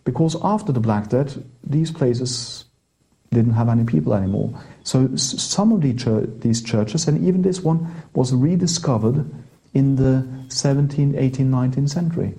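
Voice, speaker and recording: Norwegian-accented priest, mellow voice. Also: male voice, mid-range voice, vocal fry, rough recording. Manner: chatty, halting restarts, light laughter. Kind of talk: interview guest explaining history.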